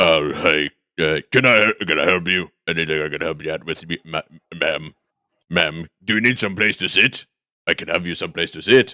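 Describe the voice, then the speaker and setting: Putting on a character voice, a man speaks at a very deep, low pitch with long, frequent pauses. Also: moderate pace. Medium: actual play. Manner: eager, polite.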